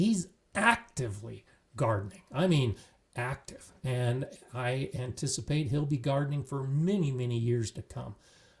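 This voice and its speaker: A man speaks with a somewhat breathy voice. His pitch variation is ordinary. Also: medium pitch for a man, moderate pace. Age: 60s. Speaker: gardening channel host. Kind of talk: live-stream talk.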